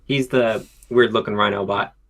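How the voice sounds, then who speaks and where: A man chats on a livestream about his animation work, slipping in dry, deadpan jokes. His voice sits fairly low and has a husky, slightly rough grain. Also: moderate pace. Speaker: animation co-creator and guest. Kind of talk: casual livestream chat.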